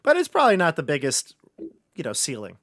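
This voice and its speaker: A man narrating a tabletop game as game master in an improvised, conversational, halting way. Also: a little high, huge pitch swings, fairly bright tone, no echo, studio quality. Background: music.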